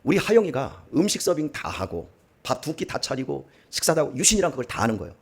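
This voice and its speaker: Husky, animated Korean pastor preaching. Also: male voice, fairly high pitch, fast talker. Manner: lively, swings from soft asides to emphatic exhortation. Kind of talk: dawn sermon. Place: church sanctuary.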